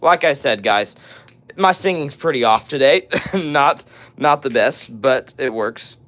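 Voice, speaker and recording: A raspy young man hosting a live stream, reading viewer messages aloud and answering them in casual talk with lots of "all right" and "uh". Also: mid-range voice, expressive, measured pace, fairly bright tone. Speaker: livestream host.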